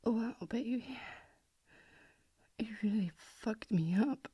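Woman doing an audio roleplay, breathy and slow, dry close sound. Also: a little high, no echo. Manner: hushed, intimate whispering; strained, tearful pleading. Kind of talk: acted audio roleplay addressed to a listener.

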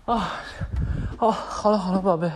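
A man's voice: high-pitched, fairly even intonation, normal speed, a little hiss or hum, natural voice. A man playing a remorseful pleading boyfriend. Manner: pleading, stammering, apologetic. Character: remorseful young boyfriend soothing his crying girlfriend. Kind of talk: boyfriend roleplay audio drama.

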